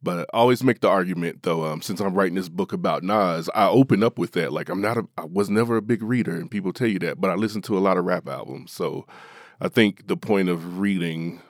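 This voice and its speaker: A man from Appalachia speaks in a low voice as an author being interviewed. He talks in an animated, chatty way, full of fillers and quick laughs. The recording sounds dry and close. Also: no room sound. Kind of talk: interview guest.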